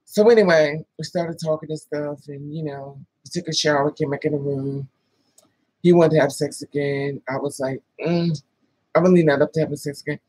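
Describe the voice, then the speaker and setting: A woman's voice: sits low, steady tone, moderate pace, darkish tone, husky, dry recording, rough recording. A woman in her thirties, vlogging a dating story in casual, profane storytelling, acting out both sides of the talk with laughing asides. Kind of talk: casual storytelling with quoted dialogue.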